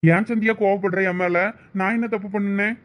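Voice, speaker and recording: A man's voice: sits high, steady tone, fairly quick, close to an everyday voice. A man voicing a flustered young village husband in a comic cartoon family drama, with a Thoothukudi Tamil accent and a pleading, coaxing manner. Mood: defensive. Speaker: cartoon voice actor.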